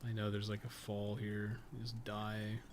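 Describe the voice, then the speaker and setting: In an unhurried, lowish voice, a man gives casual gameplay commentary as a podcast co-host, rambling, thinking aloud and swearing casually. Clear, steady background noise runs throughout.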